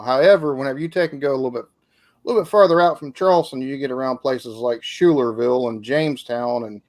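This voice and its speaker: A man in casual chat who rambles, repeats words and swears freely. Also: medium pitch. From not from this area.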